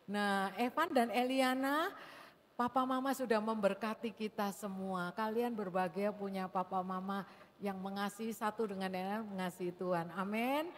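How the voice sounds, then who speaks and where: A woman's voice: medium pitch, steady tone, moderate pace. A woman pastor preaching in a church service, speaking with amens and asking the congregation questions. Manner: warm preaching with call-and-response amens. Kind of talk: sermon. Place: large church hall. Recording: reverberant church hall with music.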